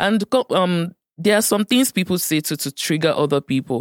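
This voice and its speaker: The speaker has a Nigerian accent and keeps a moderate pace, with a dry, close sound and no echo. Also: man. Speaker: podcast co-host. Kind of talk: casual panel discussion. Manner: assertive.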